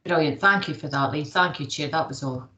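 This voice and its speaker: A woman's voice: low voice, brisk, sharp tone, highs cut off, slight background noise. A woman on a meeting call, politely asking a question and thanking the chair. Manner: polite, thanks people often. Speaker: board member asking a question.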